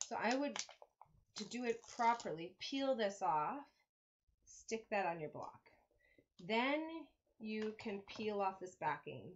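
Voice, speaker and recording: A woman's fairly high-pitched voice with lively intonation, at a very slow pace with long, frequent pauses. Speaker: craft demonstrator. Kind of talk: tutorial. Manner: casual, chatty.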